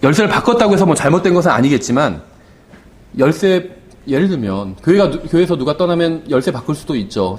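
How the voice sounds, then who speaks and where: Animated, high-voiced male pastor preaching. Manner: conversational, asks the congregation questions; acts out quoted lines of the father and son. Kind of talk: sermon.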